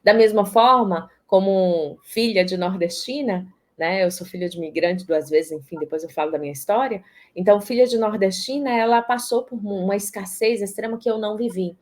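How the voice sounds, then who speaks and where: A woman's voice: mid-range voice, a little fast, few pauses. A woman from Salvador, talking expressively in an interview and often restarting her words. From Brazil, Salvador, Bahia. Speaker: guest, systemic positioning strategist. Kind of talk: casual interview talk.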